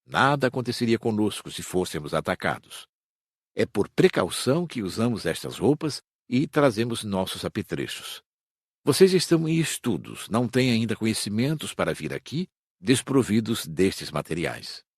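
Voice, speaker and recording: Guy playing a firm teacherly spirit guide, brazilian accent, kinda raspy, animated, dry audiobook sound. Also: fairly low pitch, normal speed, no room sound, heavily acted. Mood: calm, instructive. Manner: didactic, authoritative. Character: firm, instructive male spirit guide leading students. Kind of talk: audiobook character acting.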